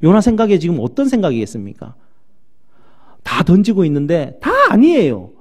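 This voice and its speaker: Pastor guy preaching in church, voice jumps all over, warm mellow tone, big loud bits then low asides. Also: a little fast. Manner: animated preaching that swings between loud acted outbursts and low asides. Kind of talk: sermon.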